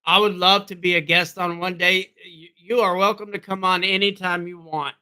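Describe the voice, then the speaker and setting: A man hosting a casual livestream and talking to his viewers, hoarse and losing his voice, clearing his throat and repeating himself as he rambles. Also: sits high, steady tone, moderate pace, pushed and bright. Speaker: livestream host.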